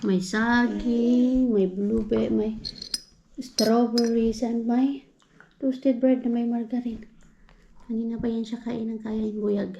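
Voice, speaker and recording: A woman's voice: fairly high pitch, vocal fry, darkish tone, slight background noise. A woman from the Philippines chatting casually in a home vlog, switching to a sing-song voice when talking to her toddler. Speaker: vlogger mom.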